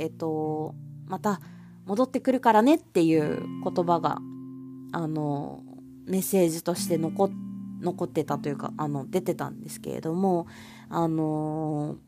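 A woman hosting her own podcast, rambling casually with plenty of fillers. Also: lowish voice. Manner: chatty, rambling with many fillers. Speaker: podcast host. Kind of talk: casual solo podcast talk.

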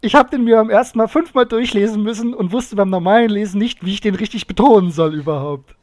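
A man's voice: sits high, a little fast, darkish tone, a little hiss or hum. A man co-hosting a casual podcast chat, reading tongue twisters aloud, laughing and tripping over the words. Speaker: podcast co-host.

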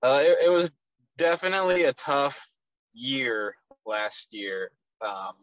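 A young man with a light Texas accent talks through his story in an easy, unhurried way, often pausing on "um" and restarting his sentences. His voice sits in a middle range, and the sound is dry and close with no room around it. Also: medium pitch, no room sound, lo-fi sound. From Texas, USA. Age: 20s. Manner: relaxed, with frequent ums and restarts. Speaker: guest, professional soccer player. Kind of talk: casual interview answers.

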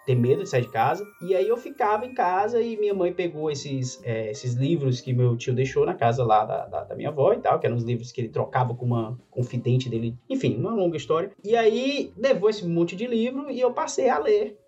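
A woman's voice: deep voice, animated, fairly quick, hardly any pauses, warm tone, slightly rough. A woman with a Brazilian accent, a guest on a casual podcast, talkative and full of restarts and tags like "né". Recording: dull lo-fi audio with faint music.

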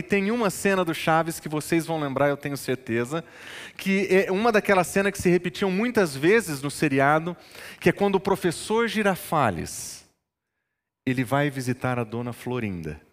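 A male pastor preaches a sermon, moving between relaxed childhood stories and emphatic teaching. His voice sits a little high for a man. The sound carries a long reverb from a large church. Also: moderate pace. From northern Brazil. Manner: storytelling, rising to emphatic preaching.

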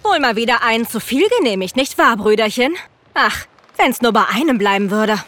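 A woman acts as a mocking Viking sister in a comedy audio play. Her voice is fairly high, with a teasing, sardonic edge. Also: expressive, fairly quick, fairly bright tone. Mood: mocking, exasperated. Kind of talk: fantasy comedy audio drama acting.

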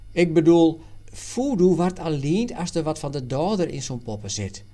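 Guy putting on jan, an earnest storybook trader, raised and lively voice, explains stuff. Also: on the high side, moderate pace, pitched above the performer's own voice, lightly acted. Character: adult man, worldly former colonial trader.

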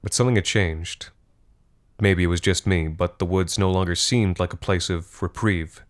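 A man acting as a wry, uneasy narrator of a horror audio drama, with a low-pitched voice. He tells his woodland tale in the first person, measured and conversational, as if confiding in one listener. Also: steady tone, lightly acted. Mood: brooding, uneasy.

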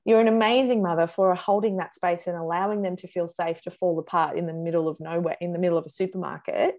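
A mother, answering interview questions in an earnest, animated way with frequent "like"s. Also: lowish voice, quick pace. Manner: earnest, animated storyteller, says "like" often. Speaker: guest, mother.

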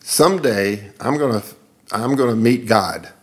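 A man's voice: medium pitch, a little slow. Earnest man in his seventies. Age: 70s. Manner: earnest, reflective, laughs easily. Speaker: guest. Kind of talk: interview conversation.

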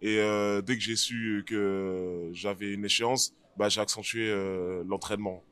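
A man's voice: lowish voice, steady tone, unhurried, fairly bright tone, clean tone. A man who is an MMA fighter, answering interview questions casually and hesitantly, with many fillers and restarts. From France.

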